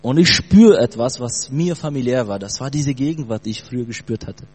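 A man in his late twenties from Brazil, telling his personal faith story in a casual, animated way with youth slang. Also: mid-range voice, brisk, husky. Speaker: church testimony speaker. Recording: long hall reverb with mains hum.

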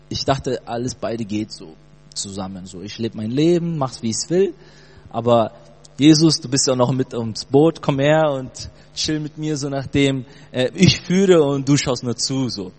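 A man in his late twenties from Brazil, telling his personal faith story in a casual, animated way with youth slang. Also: mid-range voice, normal speed. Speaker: church testimony speaker. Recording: long hall reverb with mains hum.

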